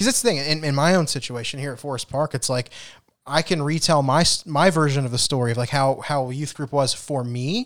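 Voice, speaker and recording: In a very clean recording with a silent background, a man speaks at a moderate pace in a fairly high, normal speaking voice with ordinary pitch variation. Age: 20s. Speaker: podcast co-host. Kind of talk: casual chat.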